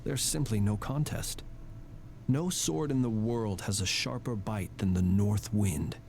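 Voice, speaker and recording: A man's voice: on the low side, a little slow, gravelly, darkish tone, a little hiss or hum. An actor playing a grandiloquent swordsman in a video game, speaking in a florid, declamatory way. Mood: grand, admiring. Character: grandiloquent male swordsman admiring a great knight. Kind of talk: video game character voice acting. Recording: game audio with music behind.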